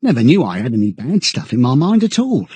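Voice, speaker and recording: A man's voice: medium pitch, very animated, a little fast, a little mellow, slightly rough, no room sound. A man voicing a frightened, servile, middle-aged party loyalist in an audiobook, stammering and eagerly chummy. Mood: sanctimonious, eager. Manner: stammering, chummy old-fashioned British chap talk, sententious.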